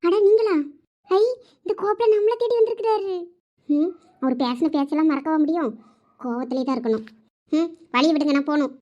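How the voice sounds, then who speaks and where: A woman playing a proud, tearful young wife; thin, very high voice, Thoothukudi Tamil accent. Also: brisk, long pauses, warm tone, highs cut off, lightly acted. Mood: sulky. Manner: reproachful, insistent. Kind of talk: cartoon voice acting.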